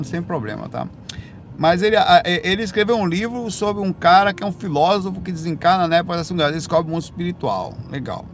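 A Brazilian man, hosting a casual live stream, answering viewer comments in a rambling, self-correcting way with animated bursts. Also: on the high side, slight background noise. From Brazil, raised in Bahia. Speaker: livestream host answering viewer questions.

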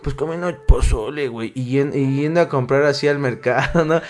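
A man's voice: medium pitch, fairly quick. A man with a Mexican accent hosting a casual chat, rambling in slang and interrupting himself. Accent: Mexican Spanish.

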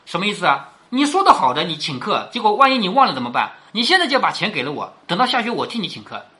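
A woman's voice: on the low side, very animated, fast, sharp tone. A woman reading a classic novel aloud and explaining it in a chatty way, often asking rhetorical questions.

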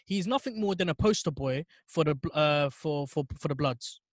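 A man's voice: fairly high pitch, animated, normal speed, dry recording, studio quality. A man with a London roadman accent, chatting and arguing casually in street slang. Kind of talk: casual chat, debating.

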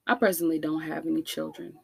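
Low, gravelly African American woman, emphatic. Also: steady tone, a little mellow, dry recording, studio quality. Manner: emphatic, deliberate, rhetorical questions and repetition. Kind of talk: impassioned spoken monologue to listeners.

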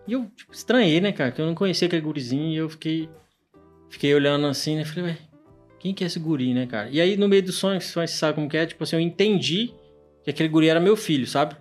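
A man's voice: fairly high pitch, fast talker, faint music behind. A man, a guest on a podcast, telling a personal story in casual chat, emotional and quoting himself often. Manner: emotional storyteller who peppers speech with "cara" and acts out dialogue.

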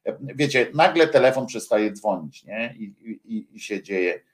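A man hosting a radio show, talking in a halting, reflective way with many filler sounds between songs. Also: fairly low pitch, animated. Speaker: radio host.

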